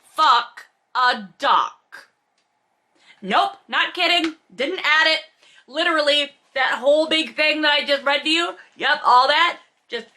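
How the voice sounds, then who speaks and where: A woman's voice: high voice, sharp tone. A woman hosting a book read-along, reading aloud and commenting in a blunt, profane, sarcastic and casual way. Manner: sarcastic, emphatic.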